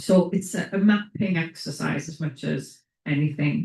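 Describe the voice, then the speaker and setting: Somewhat breathy, this woman's voice carries a dark, mellow tone. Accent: Welsh. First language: Welsh. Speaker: academic. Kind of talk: academic talk.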